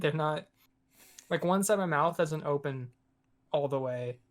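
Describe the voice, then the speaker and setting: A man's pitch variation stays ordinary. His voice sits fairly high. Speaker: podcast host. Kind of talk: casual chat. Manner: halting, repeats words.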